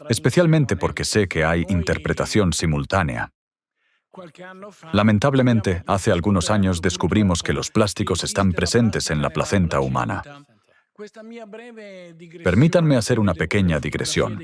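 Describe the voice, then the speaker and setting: Deep male voice-over for a conference lecture, measured and formal. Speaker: voice-over interpreter for a speaker.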